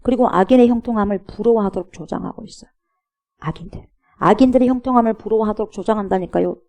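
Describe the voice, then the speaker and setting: Middle-aged woman preacher, gravelly and dark-toned, emphatic sermon delivery. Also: mid-range voice, fast talker. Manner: emphatic preaching with rhetorical questions, mocking imitations of scoffers. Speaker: pastor.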